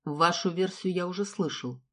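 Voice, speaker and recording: A woman reading the part of a calm, caring young man who talks softly but firmly, in an audiobook. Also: fairly low pitch, moderate pace. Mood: concerned, firm.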